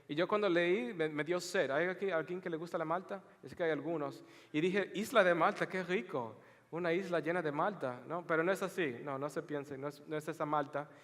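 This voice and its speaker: Animated high-voiced preacher in a reverberant hall. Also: male voice. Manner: animated, joking, storytelling. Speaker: pastor. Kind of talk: bilingual sermon with scripture reading. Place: church sanctuary. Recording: long reverb of a large hall.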